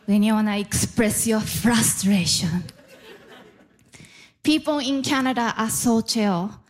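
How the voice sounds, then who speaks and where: A woman from Japan with a noticeable Japanese accent performs stand-up before a live crowd, unhurried and deliberate in her delivery. Her voice sits a little high, and she teases the audience in a playful way. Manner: playful, crowd work with laughs. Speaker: stand-up comedian. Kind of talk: stand-up set. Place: live comedy venue with audience.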